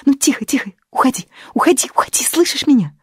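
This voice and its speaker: A woman voicing a young woman who speaks quickly and urgently, in half-whispers, in an audiobook. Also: mid-range voice, dry recording, clean studio sound, voice pushed up, natural voice. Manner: quick, hushed.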